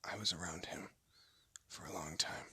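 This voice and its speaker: A man voicing a hardened ex-gangster husband in an audio roleplay, talking in a low threatening whisper. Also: fairly even intonation, moderate pace, sharp tone, husky, full character voice. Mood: somber. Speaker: voice actor.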